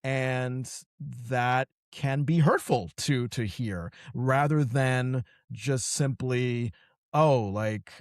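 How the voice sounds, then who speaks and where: A man hosting a podcast, from Connecticut, telling stories in lively, casual conversation with frequent restarts. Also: medium pitch, very slow, no room sound, clean studio sound. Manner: animated storytelling, frequent restarts. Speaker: podcast host.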